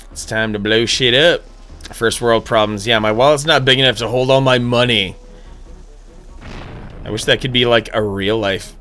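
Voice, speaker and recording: A man's voice: lowish voice, sharp tone. A man giving playful, sarcastic live commentary while streaming a video game, joking and swearing casually, over faint game music.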